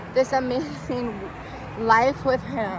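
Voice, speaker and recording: A woman with a high pitch speaks at a very slow pace. Background noise is noticeable. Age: 20s. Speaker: vlogger. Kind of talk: personal confessional monologue. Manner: loud; emotional, earnest.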